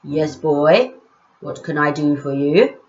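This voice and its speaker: A woman voicing a calm, authoritative village leader in a children's story, with a measured, official manner. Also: sits low, lo-fi sound. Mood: measured, questioning.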